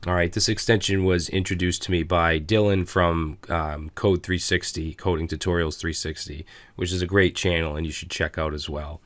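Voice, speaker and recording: Low-voiced man walking through a code editor. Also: moderate pace, no echo. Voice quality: slightly raspy. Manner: relaxed, talks while clicking through the editor, frequent fillers. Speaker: coding tutorial host. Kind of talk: casual screen-recorded coding tutorial.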